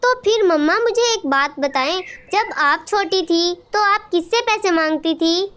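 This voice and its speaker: A woman's voice: very high voice, a little slow, fairly bright tone. A woman voicing a clever, talkative little boy bird in a cartoon, eager and pleading.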